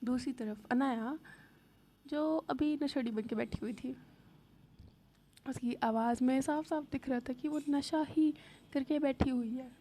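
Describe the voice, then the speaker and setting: A woman narrates a story in a plain, conversational way. Her voice is husky and dark, with a mellow tone. She sits a little above the usual pitch. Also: a little slow, long pauses.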